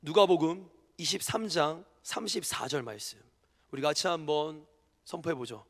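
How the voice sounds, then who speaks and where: A male pastor preaching an impassioned sermon to a youth congregation, swinging from hushed asides to shouted peaks and asking the listeners frequent questions. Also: a little high, moderate pace. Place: church hall during a youth service. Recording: echoey church hall with long reverb.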